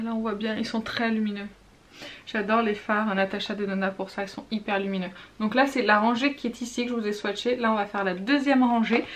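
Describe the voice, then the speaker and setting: Woman, slightly high voice; casual gushing beauty vlogger who drops to whispers. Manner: chatty, gushing, drops to whispers while swatching. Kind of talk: casual makeup swatch review.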